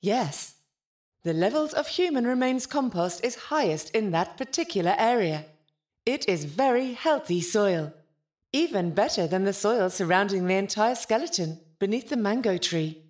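A woman's voice: mid-range voice, lively intonation, moderate pace, a little mellow, natural voice. Woman voicing a formal, detached ship's AI. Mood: matter-of-fact. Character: polite, literal-minded ship's artificial intelligence. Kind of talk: scripted audio drama.

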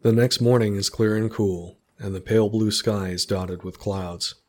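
A man narrating a story in a calm, descriptive way. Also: lowish voice, normal speed.

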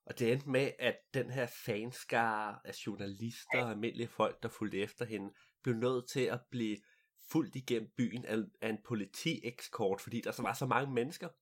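A person telling an improvised story in a lively way, adding sound effects. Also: mid-range voice.

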